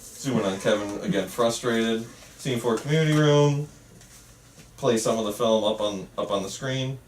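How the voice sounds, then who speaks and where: A man's voice: mid-range voice, moderate pace. A man narrating script stage directions in an amateur table read. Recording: echoey room, distant mic, faint noise.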